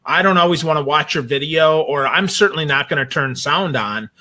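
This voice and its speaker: A man with a fairly high-pitched, very bright and forceful voice speaks as a guest on a casual talk show. He is conversational and opinionated, landing his points with emphasis. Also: a little fast. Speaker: guest commentator on social media marketing.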